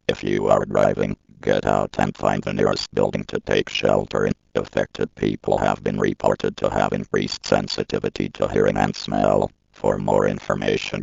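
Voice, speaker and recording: A man reading a scripted emergency alert as an announcer in a flat, formal, robotic manner, in dull lo-fi broadcast audio. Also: very deep voice, gravelly, no room sound.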